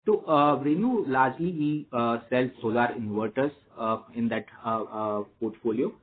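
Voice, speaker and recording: A man with an Indian accent, a company executive giving measured, formal answers to analysts on an earnings call. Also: mid-range voice. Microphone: conference phone call. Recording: tinny phone line with noise.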